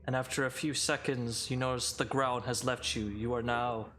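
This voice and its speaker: Man, game master, measured narration, mid-pitched voice. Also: steady tone, fairly bright tone, a little hiss or hum.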